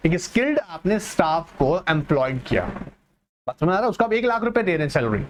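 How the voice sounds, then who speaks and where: A man teaching an online exam-prep class, reading English points slowly and explaining them in Hindi mixed with English, calling his students "beta". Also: a little high, big pitch swings, a little hiss or hum.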